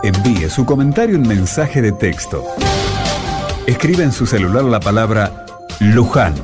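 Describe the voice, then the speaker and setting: A man's voice: fairly low pitch, big pitch swings, a little slow, over loud music. A man reading a scripted promotional announcement with instructions for listeners.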